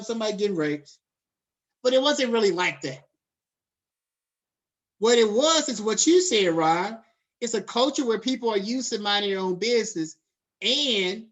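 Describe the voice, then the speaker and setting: A man's voice: high-pitched, pushed and bright. Casual, slangy male lecturer. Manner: conversational, drifts into casual slang. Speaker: college lecturer. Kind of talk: classroom lecture.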